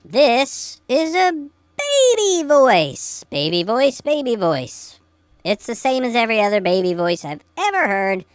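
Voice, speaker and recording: A man talking through a voice changer set to a baby voice, giving flat commentary in the shifted voice. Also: a little slow, clear, resonant tone, dry recording, heavily acted. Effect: voice changer pitch shift. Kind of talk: gear demo.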